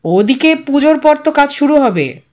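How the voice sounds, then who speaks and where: A woman's voice: high voice, big pitch swings, normal speed, darkish tone. A woman voicing a self-important, bossy male local politician in a story, speaking with pompous authority.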